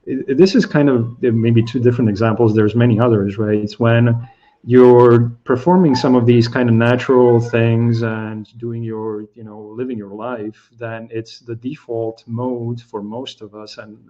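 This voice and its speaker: A man's voice: mid-range voice, fairly even intonation, normal speed, warm tone, lo-fi sound. A man whose first language is Slovak, speaking as a guest in a casual expert discussion and thinking aloud with many restarts. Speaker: guest analyst.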